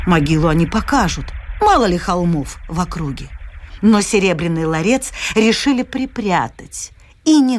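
An actress narrating a fairy tale for radio in an expressive, measured storytelling voice. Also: female voice, mid-range voice. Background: music.

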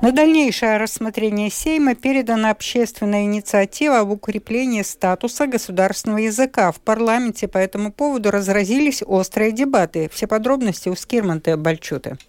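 A woman's voice: mid-range voice, dry recording. Woman reading radio news, dry studio. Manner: measured, even newsreading. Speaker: radio newsreader. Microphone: studio microphone. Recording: dry close studio sound.

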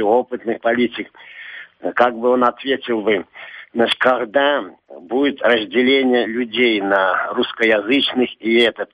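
Sex: man. Role: radio caller. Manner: halting, rambling, husky. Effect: landline phone. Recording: dull, dry line. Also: mid-range voice, no room sound. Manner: halting, searches for words. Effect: over a landline phone. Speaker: radio call-in listener. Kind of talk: rambling call-in question.

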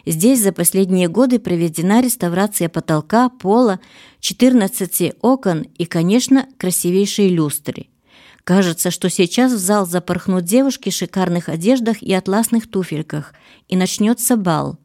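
A woman's voice: fairly low pitch, moderate pace, warm tone. A woman radio reporter reading scripted feature narration.

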